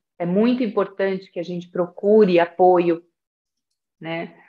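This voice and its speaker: A woman speaks in a plain, everyday voice at medium pitch, keeping a fairly slow pace and fairly even intonation. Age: 60s. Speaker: mother of a daughter with a rare syndrome. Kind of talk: live interview. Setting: YouTube live video call.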